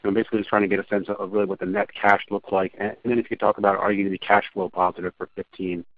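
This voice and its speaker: Fast-talking male analyst on phone line. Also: lowish voice, flat delivery, no echo. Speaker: financial analyst. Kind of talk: questions on an earnings call. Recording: tinny dry phone line.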